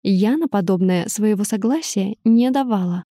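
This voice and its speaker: A woman's voice: mid-range voice, moderate pace, mellow, no room sound, clean studio sound. Woman narrating a first-person audiobook.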